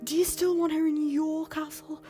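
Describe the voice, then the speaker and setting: A woman's voice: sits high, little pitch movement, moderate pace, warm tone, faint music behind, close to an everyday voice. A woman acting in an audio drama as an anxious, earnest young royal lord, with a dramatic, emotional delivery. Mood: solemn, earnest.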